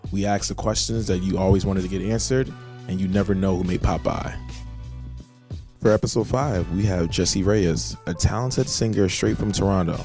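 A man hosts an interview podcast, introducing the show with laid-back, upbeat patter. His voice is low with a gravelly fry, and faint music plays under him. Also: moderate pace, mellow. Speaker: podcast host.

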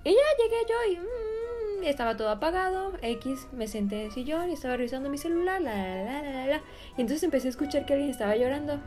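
Lively high-voiced Mexican woman storyteller. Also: fast talker, faint music behind. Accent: Mexican Spanish. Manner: animated storyteller, laughs often. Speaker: podcast co-host. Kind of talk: casual chat telling a ghost story.

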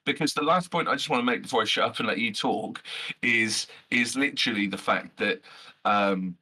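A man, a loud and brash podcast guest talking passionately with lots of fillers and some swearing. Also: medium pitch, normal speed, husky. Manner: animated, swears freely, many fillers. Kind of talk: passionate casual chat.

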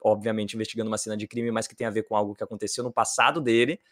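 A man from Brazil in a casual chat, recommending series and films in a relaxed, enthusiastic way. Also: lowish voice, racing, no room sound, clean studio sound.

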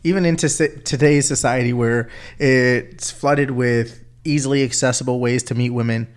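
A man co-hosting a podcast, talking in crude casual banter, loud, teasing and laughing often. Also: mid-range voice, fairly even intonation, normal speed, smooth. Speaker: podcast co-host.

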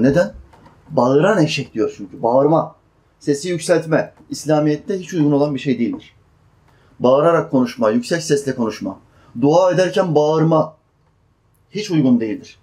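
This man's sermon moves between slow chanting of Quranic verses and plain-spoken explanation, with questions to the listeners that he then answers. His pitch is fairly high, his intonation lively, and his tone a little mellow.

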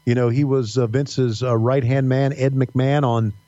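Middle-aged male guest with a faint Southern accent, halting storyteller, dry, slightly muffled audio. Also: medium pitch, level tone, dark tone, no echo. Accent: slight Southern American. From Virginia mountains. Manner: halting, many fillers and restarts. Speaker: podcast guest, wrestling announcer. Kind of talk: casual interview storytelling. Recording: dull dry podcast audio.

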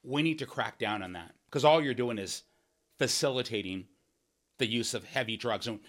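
A man's voice: mid-range voice, normal speed, a bit bright. A man in a mid-range voice delivers a podcast monologue about his campaign. His tone is earnest and emphatic, and he keeps circling back with rhetorical "right?" checks. Phrases restart as he builds each point. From Washington State. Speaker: political candidate hosting a podcast.

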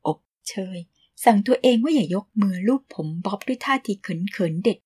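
A woman narrating a romance novel in a calm, measured storytelling manner. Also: fairly high pitch, slightly rough. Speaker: audiobook narrator. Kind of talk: novel reading.

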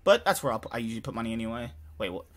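A man's voice: medium pitch, lively intonation, racing. A man in his twenties hosting a podcast, joking crudely and laughing often in casual chat. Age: 20s. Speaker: podcast host.

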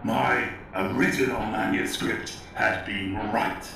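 In an audio drama, an actor plays a bitter, pompous older writer who narrates his own story in first person, scornful yet wry and regretful. His voice is fairly low, slow, and creaky, recorded very echoey and far from the mic with faint noise.

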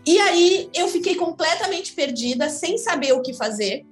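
Her pitch is extremely high and her intonation lively at a normal speed as this woman in her thirties, a São Paulo native with a Brazilian Portuguese accent, reflects frankly and thinks aloud as an interview guest. The candid chat is recorded in an echoey room with soft background music.

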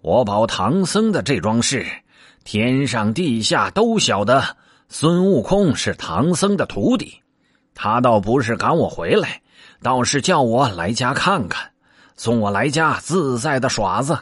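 A man voicing a proud, quick-tempered male monkey king who speaks in a boastful, commanding way. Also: mid-range voice, big pitch swings, breathy edge, no echo, studio quality.

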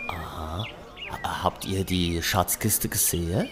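A man's voice: deep voice, slow pace, fairly bright tone, slight background noise. A man playing a greedy, roguish medieval trader in a historical audio drama, talking colloquially with sly eagerness. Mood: sly, covetous. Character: greedy, roguish male traveling trader of twelfth-century legend.

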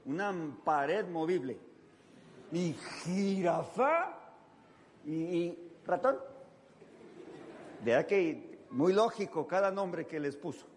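A man preaching a sermon, telling stories with acted voices and playful asides. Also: sits high. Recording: long reverb of a large hall.

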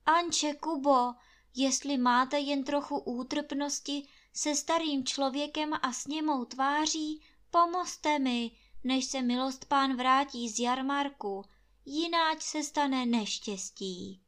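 A woman's voice: high-pitched, fairly bright tone, voice pushed up. A woman doing a fretful old gamekeeper. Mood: pleading. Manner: pleading, anxious. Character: fearful old male gamekeeper, lamenting.

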